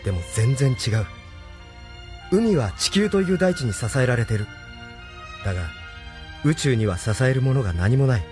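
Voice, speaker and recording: Man voicing a soft-spoken young hero, earnest, expressive pitch, music underneath. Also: normal speed, long pauses, lightly acted. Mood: reflective. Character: thoughtful young male leader, gentle and earnest. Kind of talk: radio drama acting.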